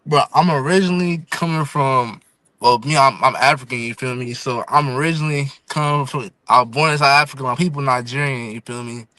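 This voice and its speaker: A young adult of eighteen with roots in Fresno, California and Houston speaks as a laid-back podcast guest, leaning on "you feel me" again and again. His mid-range voice is steady, brisk and sharp-toned. The recording is low quality.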